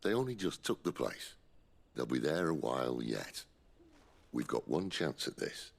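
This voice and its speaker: An actor playing a gruff, wry middle-aged rebel leader with a husky, commanding voice in a video game. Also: male voice, sing-song, measured pace, heavily acted. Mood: wry, persuasive. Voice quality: very deep, gravelly, husky. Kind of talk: cinematic game cutscene acting.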